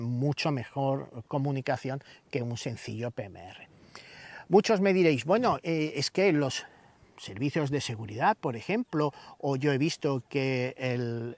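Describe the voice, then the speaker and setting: A man's voice: mid-range voice, no echo. A man from Spain with a Castilian or peninsular Spanish accent, hosting an informal explainer in a didactic way with everyday examples. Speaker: video channel host.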